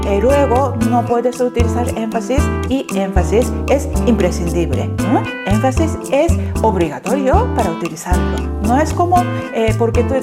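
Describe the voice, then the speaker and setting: A woman whose first language is Japanese, teaching a Japanese lesson in Spanish and checking often that her students follow. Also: on the high side. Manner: slow, careful explanations with frequent "¿vale?" checks.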